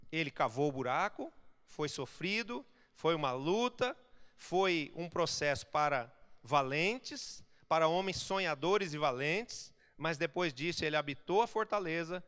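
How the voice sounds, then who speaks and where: Emphatic pastor preaching in a reverberant hall. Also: male voice, fairly high pitch, smooth. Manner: emphatic preaching, swelling to loud exhortation. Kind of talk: sermon. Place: church.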